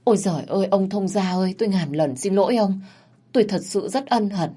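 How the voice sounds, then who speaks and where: A woman's voice: brisk, dark tone, breathy edge, natural voice. A woman voicing a scheming middle-aged mother-in-law who wails and pleads her innocence in a tearful, wheedling voice. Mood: wailing apology. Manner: tearful, wheedling, higher pitch.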